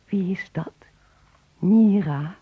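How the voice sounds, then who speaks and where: A woman's voice: medium pitch, extremely slow, slightly rough, heavily acted. An older woman acting in a radio drama, playing a lonely, inquisitive old lady who probes with insistent questions. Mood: curious, wistful. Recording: muffled lo-fi old radio play recording.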